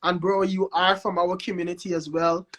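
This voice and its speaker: Speaking at normal speed over slight background noise, a Guyanese-accented man with a bright, high voice chats casually as a guest on a live stream interview. The record label founder is lively and eager, repeating himself as he works up to each point.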